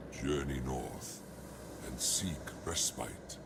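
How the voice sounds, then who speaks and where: Using a put-on character voice, a man speaks at a very slow pace over loud background noise. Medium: video game. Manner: solemn, portentous.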